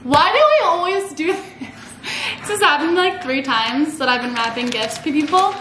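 A bubbly young woman with a high, bright voice chats away to her camera about the presents she's wrapping, dropping "like" into nearly every sentence. The sound is roomy and echoey, with a steady noise bed behind her in a living room. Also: moderate pace. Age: young adult. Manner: bubbly, chatty, lots of "like" fillers. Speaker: vlogger. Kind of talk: casual chat to camera. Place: living room at home, indoors. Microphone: camera across a table.

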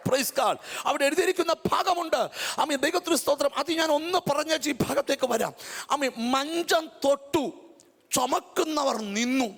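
High gravelly woman preacher, dramatic storytelling sermon with shouts, long echoey hall. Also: normal speed. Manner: dramatic storytelling, bursts into shouts, peppered with amens and hallelujahs. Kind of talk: fiery revival sermon. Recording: long echo of a large hall.

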